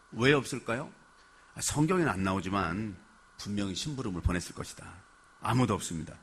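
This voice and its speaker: Animated, husky-voiced male preacher. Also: medium pitch. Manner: animated storytelling, asks the congregation questions. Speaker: pastor. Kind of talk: sermon.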